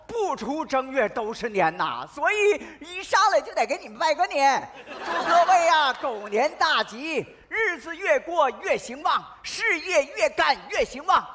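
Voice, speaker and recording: A woman's voice: high-pitched, sing-song, a little slow, fairly bright tone, a little hiss or hum. A woman performing in a stage comedy sketch, bold and teasing, calling out in a sing-song way. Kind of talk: northeastern comic sketch. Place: stage before a live audience.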